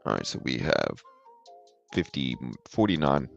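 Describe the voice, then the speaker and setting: A tired man with a very deep voice, hosting a live trading stream in a relaxed, rambling way and answering chat questions. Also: a little slow, gravelly, highs cut off, faint music behind. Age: adult with a daughter. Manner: relaxed, rambling, filler-heavy explaining. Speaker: livestream trading host. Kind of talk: casual live market commentary, reading chat questions.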